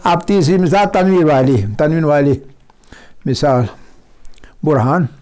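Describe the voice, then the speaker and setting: A man teaching a class on Quran recitation, patiently repeating example words slowly and checking that students follow. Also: on the high side, a little mellow. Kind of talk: classroom lesson.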